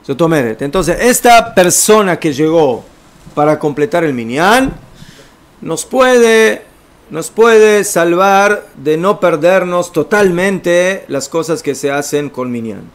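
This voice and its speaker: A rabbi teaches an informal class on religious law, explaining things step by step and checking in with his listeners. His voice is a little high and animated, and he takes it slowly.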